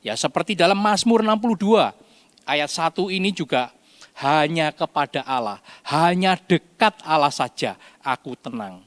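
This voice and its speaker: A man teaching a children's Bible lesson, telling the story with animated storytelling and acting out the cries. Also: fairly high pitch, moderate pace, dry recording. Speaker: Sunday school teacher.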